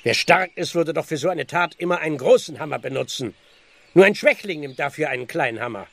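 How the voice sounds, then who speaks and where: A flustered village policeman in an audio drama. His voice sits on the high side and is full of creak, and he exclaims and gets exasperated easily. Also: expressive, a little fast. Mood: puzzling it out. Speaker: actor in a radio play. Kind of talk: German audio drama acting.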